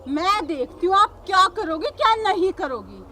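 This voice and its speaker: Actress as a young village daughter-in-law policewoman, defiant and preachy, bright high voice. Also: big pitch swings, moderate pace, a little hiss or hum, heavily acted. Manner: combative, lecturing, repeats "samajh gaye".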